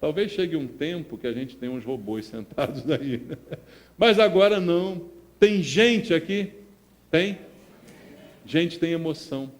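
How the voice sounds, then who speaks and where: Man, pastor, church sermon, fairly high voice, emphatic, swings between loud and quiet. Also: animated, a little slow, long pauses. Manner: emphatic, swings from loud declarations to quiet asides, addresses the congregation; repeats phrases for rhythm and asks the audience questions.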